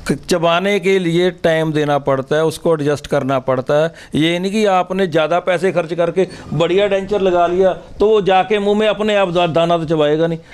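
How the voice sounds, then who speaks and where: A man's voice: fairly high pitch, steady tone, normal speed, few pauses, a little mellow, smooth. A middle-aged man from Punjab, a dentist giving earnest, plain-spoken advice in an interview. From Punjab, India. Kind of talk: interview answers.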